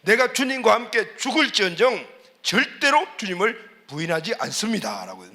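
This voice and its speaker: A man's voice: sits high, sing-song, moderate pace, sharp tone, heavily acted. A male pastor voicing the disciple Peter as a boastful, confident man who insists on his loyalty. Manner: emphatic, insistent declarations.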